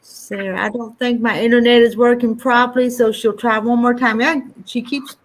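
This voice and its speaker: A woman's voice: fairly high pitch, fairly even intonation, normal speed, poor audio. A woman from Arkansas with a Southern accent co-hosting a casual live stream and addressing viewers by name.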